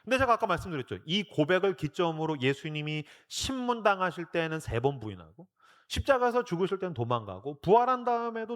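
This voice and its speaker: Male pastor preaching, slightly high voice, super expressive, jumps around in pitch and acts out the lines. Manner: lively preaching that acts out quoted lines in character. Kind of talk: sermon.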